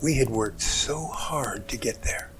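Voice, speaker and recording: An earnest male rescuer, played by a man, tells his story in an amateur audio drama. His delivery is halting, dramatic and full of feeling, at an ordinary middle pitch. Music runs clearly beneath the voice. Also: a bit bright, poor audio. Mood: earnest, awed. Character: emotional male mountain rescuer recounting a harrowing rescue. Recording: music bed under the voice.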